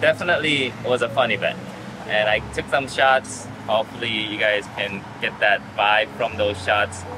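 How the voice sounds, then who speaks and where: Moderate pace from a man with ordinary pitch variation, against noticeable background noise. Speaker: vlogger. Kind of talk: casual vlog chat. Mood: relaxed, content. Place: street. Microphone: phone near.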